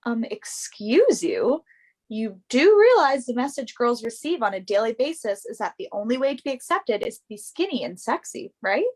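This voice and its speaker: A woman acting as a young fashion model in a naturalistic stage reading. Her voice sits fairly high, and she comes across as earnest, confident and assertive. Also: sing-song, moderate pace. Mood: indignant. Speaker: actor in a virtual staged reading.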